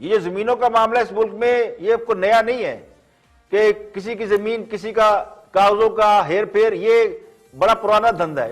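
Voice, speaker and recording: High-voiced sardonic TV host. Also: male voice. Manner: sardonic, uses proverbs and lists. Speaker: talk show host. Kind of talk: opinion commentary on TV.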